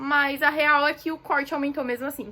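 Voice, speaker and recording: This is a woman with a high pitch and a bright, sharp tone. Her voice is raised and projected. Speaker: youtuber, pre-med exam candidate. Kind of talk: casual vlog monologue. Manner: halting.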